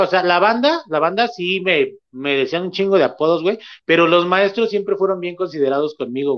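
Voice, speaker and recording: The speaker talks at a moderate pace with a Mexican accent. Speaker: podcast host. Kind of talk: casual chat.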